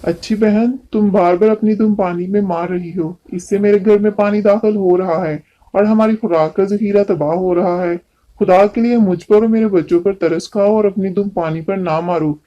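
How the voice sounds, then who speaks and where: A woman's voice: mid-range voice, fairly even intonation, moderate pace, lo-fi sound, voice pushed down, natural voice. A woman voicing a humble, kind-hearted male father ant in a children's story, speaking in an earnest, polite, beseeching way. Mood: pleading.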